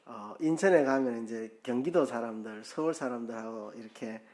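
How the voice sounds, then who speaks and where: Pastor telling a story with acted voices. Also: male voice, medium pitch, normal speed. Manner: storytelling with acted-out quotes, swinging loud and soft. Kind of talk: sermon. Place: church sanctuary.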